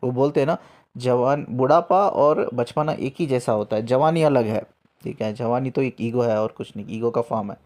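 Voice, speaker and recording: A spiritual coach with a mid-range voice tells a story in a lively way at normal speed. He mixes in English words and repeats himself to stress his points.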